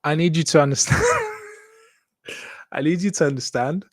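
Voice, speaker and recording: A man's voice: a little high, normal speed, no room sound, studio quality. Upbeat Kenyan-accented man hosting a live show. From Congo, raised in Kenya. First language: not English. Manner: upbeat, joking, repeats phrases. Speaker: host. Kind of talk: live show sign-off to viewers.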